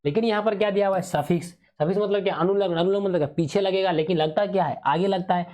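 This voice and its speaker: A man's voice: sits high, fast, a little mellow. Man teaching, quizzing himself aloud. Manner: asks and answers his own questions, repeats key terms. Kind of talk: exam revision lesson.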